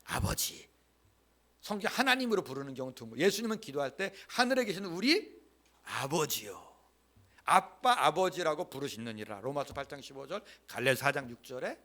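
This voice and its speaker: A man preaching a Sunday sermon in a church, his voice sitting a little high and swinging widely up and down. He stresses key phrases by repeating them and has the congregation say lines back with him. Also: sing-song, a little fast, pushed and bright. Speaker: pastor. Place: church sanctuary.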